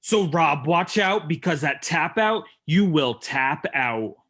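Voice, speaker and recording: A man's voice: a little high, expressive, slow, a bit bright, heavily acted. A man playing a tough, cocky young wrestling prince, delivering a defiant theatrical promo. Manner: taunting, defiant.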